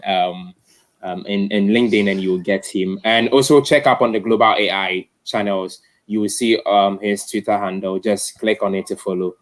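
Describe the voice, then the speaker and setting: A man hosting an online tech talk in an informal, effusive way, often repeating himself. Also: lowish voice. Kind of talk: informal live-stream hosting.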